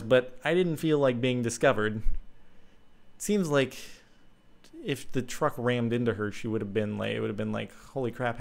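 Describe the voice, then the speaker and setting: Young man, channel host, middle pitch, casual read-aloud, ums, chuckling asides. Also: creaky. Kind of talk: reading a fan story aloud with asides.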